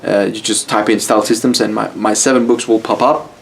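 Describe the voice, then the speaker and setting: A man's voice: on the low side, steady tone, fairly quick, gravelly. A man from Mexico with a Mexican Spanish accent, speaking English as a second language, giving a blunt, casual motivational talk to camera and swearing freely. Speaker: YouTube style coach.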